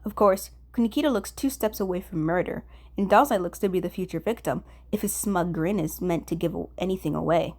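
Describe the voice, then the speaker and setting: A woman's voice: lowish voice, fairly quick, few pauses, darkish tone. Woman narrating fan fiction expressively.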